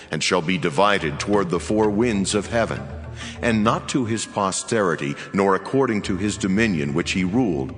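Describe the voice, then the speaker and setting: A man playing a solemn, mighty angelic messenger in a dramatized scripture reading, measured and commanding. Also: low-pitched, fairly bright tone. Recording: long reverb, music behind. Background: music.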